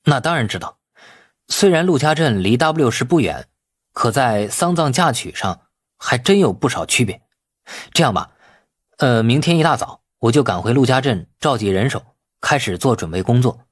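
Guy doing an eager husky young nephew in an audiobook, animated, super obliging. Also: mid-range voice, normal speed. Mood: eager, confident. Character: eager, deferential young nephew in city drama. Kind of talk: audiobook character dialogue.

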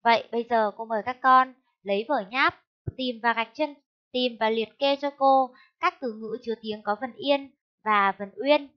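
A woman teacher giving a reading lesson to young children, pronouncing each word slowly and deliberately. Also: fairly high pitch, lo-fi sound. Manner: slow, deliberate enunciation, spelling out words for children. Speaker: primary school teacher.

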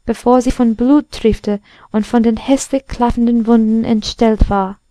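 Woman doing a snobbish talking mirror, storybook, unhurried. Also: on the high side, fairly even intonation, mellow, no room sound, lightly acted. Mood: haughty. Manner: haughty. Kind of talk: storybook reading.

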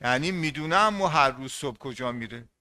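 A man with a mid-range, animated voice speaks in a bright, forceful tone. He's teaching English grammar in an online class, talking about English words, often repeating points and putting questions to the class.

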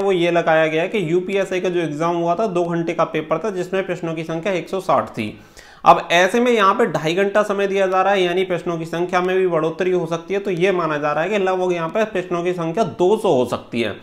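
High-pitched man, explaining. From India. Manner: instructional, mixes in English words. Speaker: exam-prep coach and channel host. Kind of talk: explanatory talk to camera for exam candidates. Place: small room indoors.

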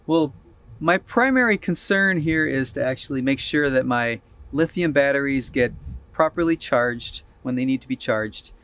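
A man's voice: medium pitch, lively intonation, normal speed, fairly bright tone. A man in his fifties, an RV vlogger, casually explaining a DIY setup step by step with frequent "uh" restarts, filmed at arm's length outdoors and in a van cab.

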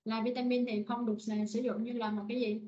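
A woman teaching an online vocabulary lesson, repeating words slowly and explaining in short phrases. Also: fairly high pitch, little pitch movement, dark tone, dull audio. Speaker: English teacher.

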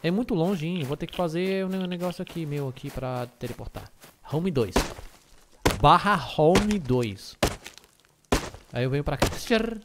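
A man with an Algerian accent, mixing Arabic and French sounds, loudly and excitably commentating his own gameplay. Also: a little high, brisk, noisy background. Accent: Algerian, Arabic and French mix. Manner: loud, excitable, shouts into the mic. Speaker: gaming YouTuber. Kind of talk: let's play commentary.

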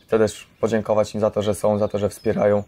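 Low, mellow, even-voiced young man. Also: fast talker. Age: young adult. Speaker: participant in a youth centre audio documentary. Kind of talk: candid personal reflection.

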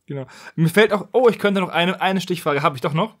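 A man hosts a casual podcast quiz for his friends. His voice sits a bit high for a man. The recording is very dry, with no room sound. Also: brisk, no echo. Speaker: podcast host and quizmaster.

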